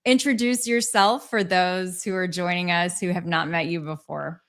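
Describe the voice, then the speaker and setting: A woman's voice: lowish voice, steady tone, normal speed. A woman hosting a livestream, speaking in a casual, conversational way. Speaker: livestream host.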